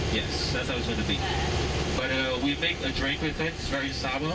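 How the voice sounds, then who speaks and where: Loud background noise under a man's fairly quick speech. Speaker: bus driver or tour guide. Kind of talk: casual tour commentary. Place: bus.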